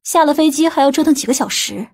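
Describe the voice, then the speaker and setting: A spoiled city woman of about thirty acted by a woman complains and questions petulantly in an audiobook drama. The voice is fairly high. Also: animated, fast.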